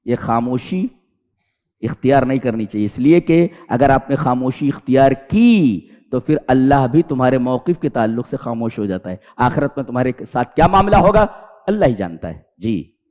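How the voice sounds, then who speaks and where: A male Islamic preacher giving a sermon of Quranic commentary. He recites Arabic verses and explains them, retells stories with acted speech, and swings between loud emphatic peaks and quiet low asides. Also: lively intonation, long reverb tail, highs cut off.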